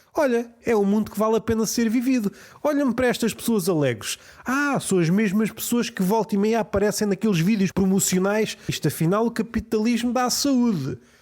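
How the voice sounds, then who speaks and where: A man speaks fairly quickly with a European Portuguese accent and a high pitch. His loudness stays very even while his pitch moves in an ordinary way. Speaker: comedian. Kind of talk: comedic monologue. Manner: animated.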